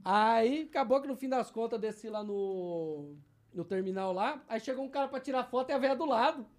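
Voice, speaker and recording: A man in casual podcast chat, an animated storyteller who acts out shouts and quoted voices, with slangy filler tags. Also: extremely high pitch, brisk. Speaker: guest.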